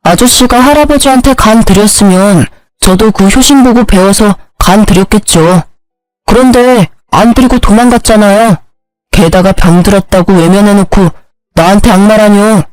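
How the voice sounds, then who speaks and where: A woman's voice: mid-range voice, moderate pace, a little mellow, no echo, faint music behind, close to an everyday voice, rough recording. A woman reading the part of a clever young adult son who speaks with cool, mocking politeness.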